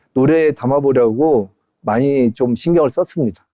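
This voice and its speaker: Ordinary pitch variation in a man's fairly slow speech. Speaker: singer and actor. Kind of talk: interview. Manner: hesitant, many fillers.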